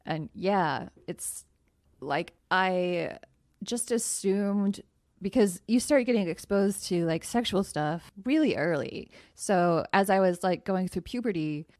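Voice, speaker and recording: A woman's voice: lowish voice, animated, a little slow, no room sound, studio quality. A woman in her late thirties, a guest on a casual podcast chat, telling stories in a giggly, self-conscious way. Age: 30s.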